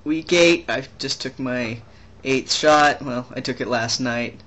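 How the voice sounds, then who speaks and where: A young trans man talking casually in a video diary, rambling and halting with many restarts and fillers. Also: mid-range voice, fairly bright tone. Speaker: vlogger.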